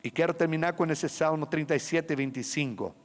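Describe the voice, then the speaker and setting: A male pastor delivering an impassioned sermon with emphatic lines and dramatic pauses, in a reverberant church hall with faint music behind. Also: on the high side.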